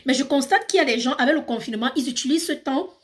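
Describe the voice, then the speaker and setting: A high-pitched woman with a Cameroonian French accent delivers an emphatic motivational rant straight to her viewers. She lectures firmly and hammers her points home by repeating them. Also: expressive, racing. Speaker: vlogger.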